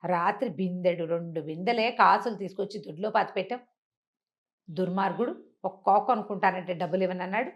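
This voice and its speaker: A woman's voice: on the low side, fast, dull audio, pitched below the performer's own voice, natural voice. A woman storyteller voicing a naive, hot-tempered peasant wife who scolds and complains in a folk tale. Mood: grumbling. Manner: scolding, complaining, plain-spoken.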